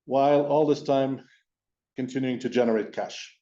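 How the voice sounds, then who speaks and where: A man speaking as a company executive on an investor call, answering questions in a measured way with pauses. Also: medium pitch, fairly even intonation, warm tone. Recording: dull, lo-fi conference call audio.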